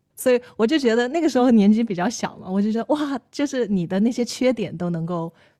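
A woman talks at a fairly quick pace with lively intonation and a dark, mellow tone. The recording is very clean, with a silent background. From Guangdong, China. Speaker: electric vehicle commentator and author. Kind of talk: casual chat.

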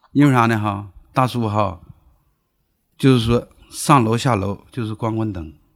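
Pitched in the medium range, this man's voice shows ordinary pitch variation and long, frequent pauses. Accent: Northeastern Chinese. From Northeast China, Jilin Tonghua. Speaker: security guard. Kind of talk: casual interview chat.

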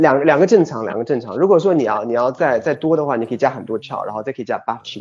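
A man with a medium pitch speaks at a very fast pace with lively intonation and hardly any pauses. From China, Hangzhou (Zhejiang). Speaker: telecom salesman, Italian language graduate. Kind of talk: casual interview chat. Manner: hesitant with many fillers.

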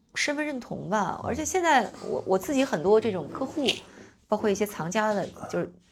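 A woman's fairly high, somewhat breathy voice with very wide pitch swings. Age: middle-aged. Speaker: art dealer. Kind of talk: casual interview chat.

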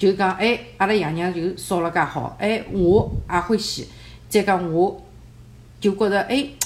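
Vocal fry marks a woman's medium-pitched voice as she talks at a moderate pace with ordinary pitch variation. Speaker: home chef. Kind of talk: casual chat.

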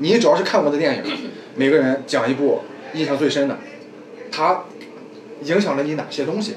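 Over noticeable background noise, a man talks fairly quickly at a fairly high pitch. His pitch varies in an ordinary way, and he pauses long and often. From Jinan, Shandong, China. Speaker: podcast co-host. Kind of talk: casual chat. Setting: studio.

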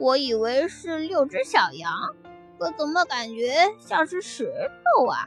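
A woman's put-on character voice, high-pitched and fairly bright, with big pitch swings, a fairly slow pace and faint music in the background

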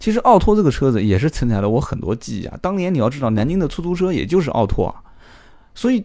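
Fairly high in pitch, this man has a dark, mellow tone. He talks very fast with very wide pitch swings. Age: 30s. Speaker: car podcast host. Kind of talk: casual monologue. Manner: fast, talks without pausing.

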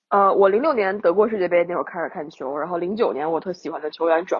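A woman speaks at a very fast pace with an animated tone. Her pitch sits fairly low. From Beijing, China. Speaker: football media interviewer. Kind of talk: casual chat.

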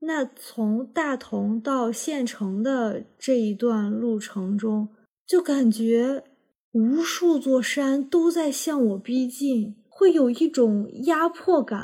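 A woman's high, lively voice with a dark, mellow tone, at a very slow pace. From coastal small city, China. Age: 20s. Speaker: volunteer rural teacher. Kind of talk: interview, personal story.

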